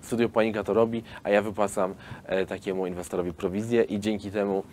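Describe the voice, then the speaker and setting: A man in his thirties, a film studio founder, explains his investment offer in an interview, pausing often with fillers. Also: fairly low pitch, flat delivery, darkish tone, slight background noise. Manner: explanatory, hesitant with frequent fillers. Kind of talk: business interview.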